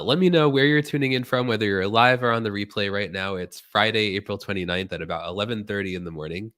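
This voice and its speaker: A man hosting a casual live stream tutorial, sounding hoarse from a cold and chatting directly to his viewers. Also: lowish voice, fairly bright tone.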